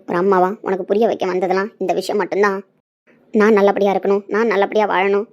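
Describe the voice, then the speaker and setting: A woman's voice: medium pitch, darkish tone, highs cut off, natural voice. A woman playing a desperate middle-aged mother who pleads with and scolds her daughter in an emotional family drama. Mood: pleading. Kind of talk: Tamil web-series acting.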